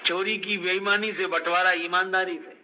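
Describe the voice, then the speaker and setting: A man's voice: sits high, level tone, normal speed, background noise. An older man giving a devotional sermon, telling scripture stories, acting out quoted dialogue and breaking into chanted verse. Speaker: Ram Katha preacher.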